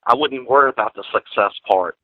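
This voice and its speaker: A man's voice: medium pitch, fairly quick. A man speaking as a guest author, giving casual advice in conversation. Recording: dull, lo-fi remote sound.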